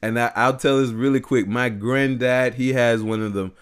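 A man's voice: medium pitch, steady tone, moderate pace, clean tone. A man who sings and has a big voice, co-hosting a casual chat with hesitant restarts and easy laughter. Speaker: podcast co-host, singer.

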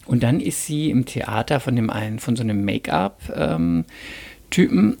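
A man chatting casually on a podcast, telling a lively anecdote and acting out the dialogue. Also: medium pitch, normal speed, vocal fry. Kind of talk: casual podcast chat, storytelling.

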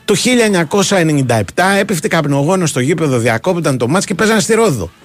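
A man's voice: on the high side, lively intonation. A man, co-hosting a sports radio show, arguing his case in casual chat and piling up examples. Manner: argumentative, piles up examples and restarts.

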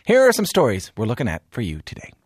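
Lively-voiced male radio host. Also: medium pitch, quick pace, heavy background noise. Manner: chatty, jokey. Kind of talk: radio interview and show links.

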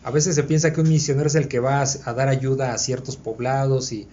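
A man's voice: medium pitch, little pitch movement, fairly quick, dark tone, a little hiss or hum. A man leads a conversational Bible study for a small group. He thinks aloud and keeps checking that his listeners are following. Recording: dull lo-fi recording.

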